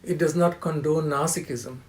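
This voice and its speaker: An older man lecturing as a professor on Hindu scripture, speaking deliberately, repeating key phrases, chanting Sanskrit verses and asking rhetorical questions. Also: fairly high pitch, steady tone. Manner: occasional soft laughs, asks rhetorical questions.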